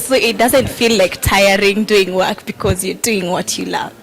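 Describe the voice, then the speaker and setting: A woman's voice: medium pitch, steady tone, moderate pace, gravelly, rough recording. Chatty woman interviewer. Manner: friendly, chatty. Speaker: radio interviewer. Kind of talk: casual interview questions.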